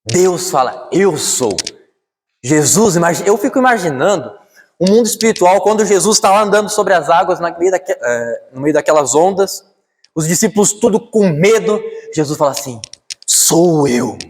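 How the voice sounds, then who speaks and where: A man with a Brazilian Portuguese accent preaching a sermon, dropping to slow, hushed lines and then climbing high and urgent. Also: lively intonation, long reverb tail.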